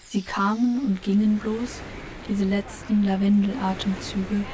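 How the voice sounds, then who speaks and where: A woman giving a measured, contemplative literary narration for an audio play. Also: medium pitch, fairly even intonation, mellow, a little hiss or hum. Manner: measured, contemplative, with lingering repetitions.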